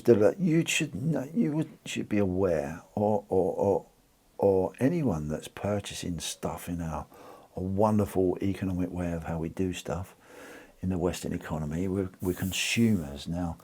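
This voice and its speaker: A man's voice: deep voice, normal speed, warm tone, husky. A British man hosting a precious metals channel, chatting casually and rambling with lots of restarts. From United Kingdom. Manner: rambling, restarts and fillers, informal. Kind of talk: casual chat to camera.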